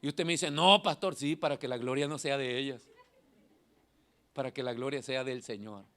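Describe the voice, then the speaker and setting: A middle-aged male pastor, preaching a sermon in a church hall. He has a thin, nasal voice and swings from shouting to quiet asides. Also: mid-range voice, fairly even intonation, moderate pace.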